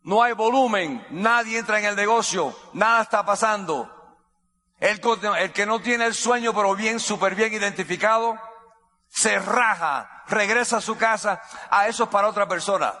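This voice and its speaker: Bright high-voiced man, echoey hall. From United States. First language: English. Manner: repeats key phrases, vivid gestures, builds suspense. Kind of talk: dramatic storytelling speech.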